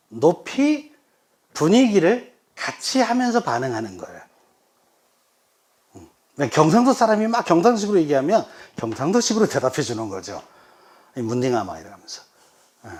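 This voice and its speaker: A middle-aged man, a pastor, giving a workshop lecture on coaching and often acting out example conversations. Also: high-pitched. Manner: animated, acts out quoted voices of children and elders. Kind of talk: lively lecture with acted example dialogues.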